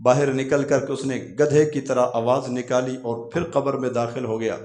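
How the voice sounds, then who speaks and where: A man's voice: medium pitch, flat delivery, darkish tone, roomy sound. A male Islamic preacher telling a sermon story in a dramatic, emphatic way, acting out the quoted dialogue.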